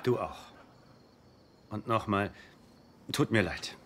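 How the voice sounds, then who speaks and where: An actor playing an easygoing, reasonable housemate in a dubbed sitcom, with a dry, teasing manner. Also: male voice, fairly low pitch, animated, slow pace. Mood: apologetic. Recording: noisy sitcom audio with clicks.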